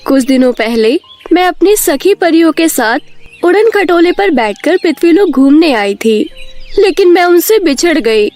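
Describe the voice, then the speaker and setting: A woman voicing a tiny, kindly young fairy with a gentle, earnest manner in an animated fairy tale. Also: extremely high pitch, a little slow, faint music behind. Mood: sad.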